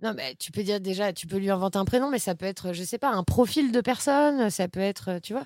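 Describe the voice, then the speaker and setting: Here is a woman with an unremarkable speaking voice. Her intonation is lively and her pace fairly quick. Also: medium pitch for a woman, very clean recording, silent background. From rural France. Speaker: podcast host. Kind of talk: casual chat. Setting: in a caravan.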